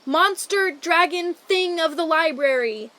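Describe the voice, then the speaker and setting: Woman as a high-voiced plucky lady knight. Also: animated, measured pace, sharp tone, a little hiss or hum, full character voice. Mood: bold. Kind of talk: audio fairy-tale comedy drama acting.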